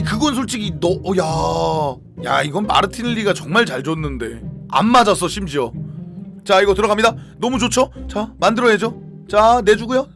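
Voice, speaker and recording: Streaming a football match, a high-voiced man reacts live, keeping up chatty commentary and breaking into shouts whenever the big moments hit.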